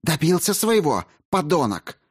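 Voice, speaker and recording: A man voicing an angry young princess who hisses and shouts in contempt, reading a storybook scene. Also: mid-range voice, moderate pace, husky, voice pushed up, close to an everyday voice. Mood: furious. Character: furious young woman, a princess, scornful.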